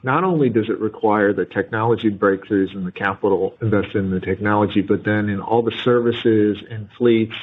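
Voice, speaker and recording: A man's voice: fairly low pitch, normal speed, few pauses, a little hiss or hum. A male company executive giving a corporate answer on an earnings call over a tinny line. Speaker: company finance or leadership executive. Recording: tinny narrow conference phone line.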